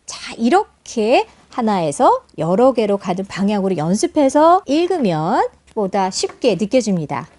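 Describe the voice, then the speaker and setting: A woman coaching picture book reading aloud, explaining step by step and modelling English phrases slowly with exaggerated intonation. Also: mid-range voice, big pitch swings, darkish tone. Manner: encouraging, explains step by step with questions to the viewer.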